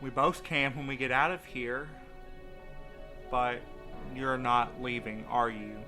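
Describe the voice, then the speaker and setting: An actor playing a stubborn, devoted courier in an audio drama, insistent and questioning. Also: male voice, medium pitch, fairly even intonation, slow pace, over music, close to an everyday voice. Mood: pleading. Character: stubborn, devoted young courier desperate to keep his loved one.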